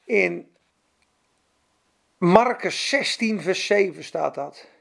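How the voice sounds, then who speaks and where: A man's voice: high voice, expressive, extremely slow, gravelly, a bit bright. A man preaching a sermon, retelling scripture in a fervent, conversational way with casual asides.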